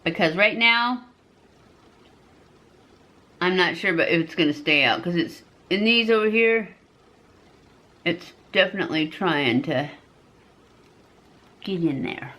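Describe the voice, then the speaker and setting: A woman's voice: on the low side, expressive, moderate pace, long pauses, bright, forceful tone. A woman in her fifties giving a casual, chatty makeup review to camera. She rambles a little and corrects herself as she goes. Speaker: beauty vlogger.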